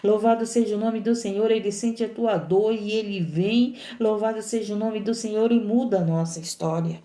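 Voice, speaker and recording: A woman's voice: medium pitch, fairly even intonation, moderate pace, mellow, roomy sound. A woman, a missionary preaching a sermon in an impassioned, repetitive, emphatic way.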